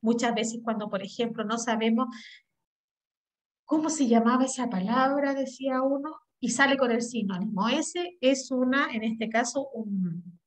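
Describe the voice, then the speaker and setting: A woman's voice: fairly high pitch, normal speed. Chilean woman teaching a class online. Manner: explanatory, often checks understanding with "¿ya?" and "¿cierto?". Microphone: laptop mic on a video call.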